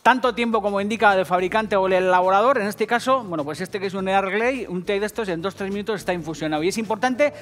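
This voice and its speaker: A man's voice: high voice, fast, few pauses, fairly bright tone, slight background noise. A middle-aged man with a Basque Spanish accent hosting a casual cooking show, talking straight to viewers in a jokey, profane manner. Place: TV kitchen set.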